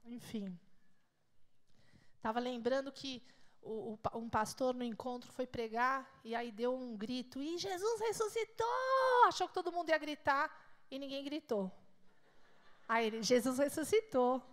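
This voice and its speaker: A woman with a Brazilian Portuguese accent preaching a church sermon, telling anecdotes animatedly with big swings in loudness. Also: on the high side, a little slow, long pauses. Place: church service.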